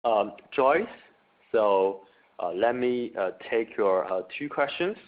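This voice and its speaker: A man with a fairly low voice acts as moderator and interpreter on a formal business call. He comes through a narrow, tinny phone connection. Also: expressive, slow pace.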